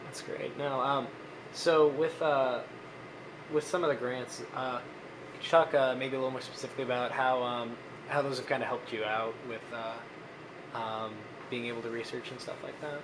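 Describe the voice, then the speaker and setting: A man's voice: medium pitch, level tone, moderate pace, background noise. A young man interviewing a student, asking questions in a hesitant way with many fillers.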